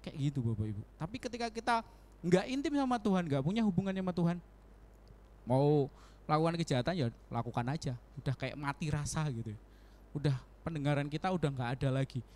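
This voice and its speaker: A young man preaching a casual sermon in a church, animated, acting out prayers in quoted voices and laughing often. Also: a little high, quick pace. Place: church hall.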